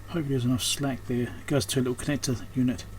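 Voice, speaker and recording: Male repairer, medium pitch, casual hands-on commentary, unscripted and trailing off, audible background noise. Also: level tone, racing, a little mellow. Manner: unscripted, thinking aloud, trailing off mid-thought. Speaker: electronics repairer and video host. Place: indoors at a repair workbench. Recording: clear background noise, room ambience.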